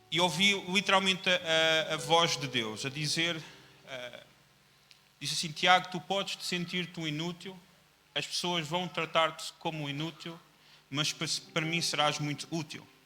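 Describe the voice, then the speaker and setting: A man with a European Portuguese accent, high-pitched and fairly even in intonation, with long, frequent pauses. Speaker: pastor. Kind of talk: sermon. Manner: fast.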